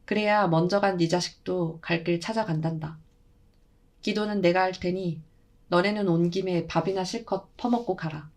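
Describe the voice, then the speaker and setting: A woman's voice: lowish voice, fairly even intonation, normal speed, a little mellow, lightly acted. Woman voicing a stern old shaman grandmother. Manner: lecturing, blunt, old-fashioned speech.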